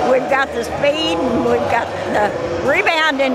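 Loud background noise fills the clip. Over it, a woman speaks at a moderate pace. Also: dry sound with no echo. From Kentucky. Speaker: basketball fan. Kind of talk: live game commentary while watching. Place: stadium. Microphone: lapel.

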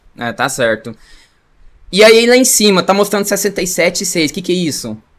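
A man with a Goiás accent talks at a moderate pace, his high pitch swinging very widely. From Goiás, Brazil. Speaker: streamer. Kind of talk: casual chat. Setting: livestream.

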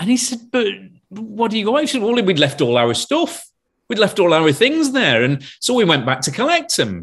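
A man with an English accent talks at a moderate pace against a quiet background. His pitch is high and swings very widely. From England. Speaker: television wine show presenter; television presenter. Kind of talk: casual chat. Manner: animated. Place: kitchen. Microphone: webcam.

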